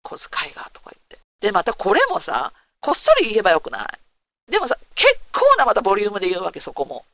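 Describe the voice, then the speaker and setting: A woman's voice: medium pitch, quick pace, no echo. A woman hosting a talk segment, telling a personal story candidly and casually, asking her listeners rhetorical questions. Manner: frank and animated, asks listeners rhetorical questions.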